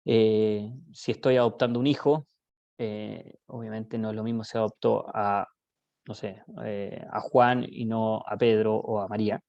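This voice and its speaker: A man with a Chilean accent giving an online law lecture, explaining with everyday examples, often pausing on "eh" and checking in with "¿ya?". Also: fairly low pitch, steady tone, gravelly, a little mellow, no echo, muffled recording.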